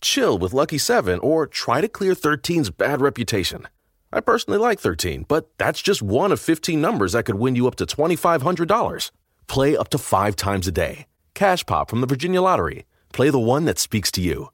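American guy doing ad read, husky, bouncy pitch, dry close sound. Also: very animated, brisk, no echo. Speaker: commercial voice-over. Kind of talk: scripted modern radio ad.

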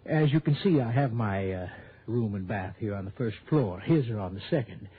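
A man's voice: lowish voice, expressive, normal speed, natural voice. An actor playing an elderly male country doctor who hesitates and stammers, in a 1960s radio drama. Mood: defensive. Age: older. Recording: tinny old radio broadcast.

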